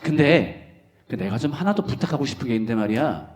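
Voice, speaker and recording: A man voicing an older male pastor who gently asks a favor. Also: medium pitch, very animated, fairly quick, natural voice. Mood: coaxing.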